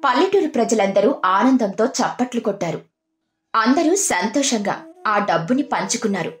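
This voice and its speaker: A woman's voice: on the high side, lively intonation, normal speed. A woman storyteller narrating a scripted tale, recorded with a roomy echo. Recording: roomy echo, music underneath.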